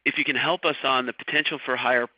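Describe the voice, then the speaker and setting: A man's voice: medium pitch, fairly even intonation, fast, no room sound. A man asking questions as a financial analyst on an unscripted conference call. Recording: muffled phone conference audio.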